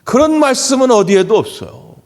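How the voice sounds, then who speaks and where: A man preaching from the pulpit in a high, lively voice that swoops up and down as he tells stories. His words ring out with the long reverb of a large church hall, picked up through a pulpit microphone. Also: brisk. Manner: animated storytelling, acts out quoted voices. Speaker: pastor. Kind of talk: Sunday sermon. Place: church sanctuary.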